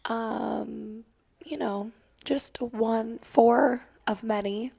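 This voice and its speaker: A raspy young woman hosting a casual solo podcast, chatty and swearing freely, recorded on a phone mic in her car. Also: fairly high pitch, fairly even intonation, drawn-out words, warm tone, no room sound. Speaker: podcast host. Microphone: phone microphone.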